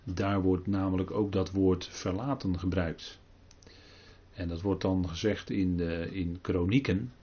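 An older man giving a halting Bible talk, full of pauses and restarts. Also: sits low, fairly even intonation, dark tone, slightly rough, muffled recording. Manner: halting, many fillers and restarts. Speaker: preacher.

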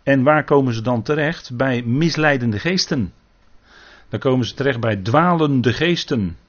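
A man's voice: medium pitch, a little slow. A man teaching a Bible sermon, earnest and cautious, often checking in with his listeners. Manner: frequent tag questions, earnest and cautious. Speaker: preacher. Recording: dull lo-fi recording.

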